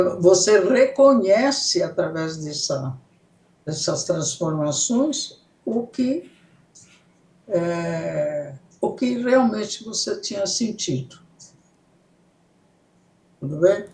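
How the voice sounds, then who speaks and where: Brief: older woman from italy, unhurried teacherly explainer, gravelly voice, roomy sound. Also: on the low side, a little mellow. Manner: unhurried, explains in steps, checks in with "certo?". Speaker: psychoanalyst guest. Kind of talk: reflective explanatory interview talk.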